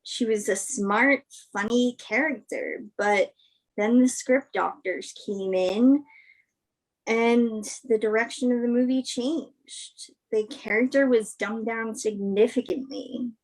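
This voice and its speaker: A fairly high female voice that takes its time over each phrase. A woman acting as a frank, principled movie star in a staged play reading. She answers interview questions in a measured, reflective, conversational way. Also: rough recording. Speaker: actress in a virtual staged reading.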